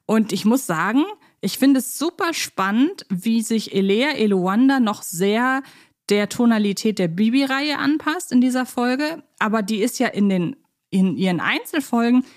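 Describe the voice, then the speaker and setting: A woman with a medium-pitched voice talks as a podcast host. She is chatty and thoughtful, explaining things in a casual, conversational style. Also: expressive, moderate pace. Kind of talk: casual podcast discussion of children's audio dramas.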